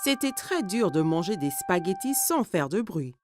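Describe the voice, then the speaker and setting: Female narrator, lively intonation, children's storytelling, clear music underneath. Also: fairly low pitch, moderate pace. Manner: expressive storytelling.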